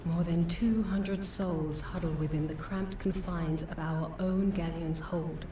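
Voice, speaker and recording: A woman playing a dignified, solemn noblewoman in a fantasy game, speaking formally and with measured courtesy. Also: fairly low pitch, fairly even intonation, noisy background, lightly acted. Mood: grave, pleading. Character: dignified, solemn foreign noblewoman pleading for refugees. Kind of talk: scripted fantasy game acting. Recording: roomy, distant game audio under music.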